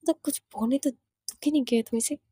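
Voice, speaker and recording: A woman's voice: sits high, fairly even intonation, a little fast, warm tone, slightly rough, dry recording. A woman voicing a hot-tempered young female college student who bluntly confronts a boy. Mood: angry.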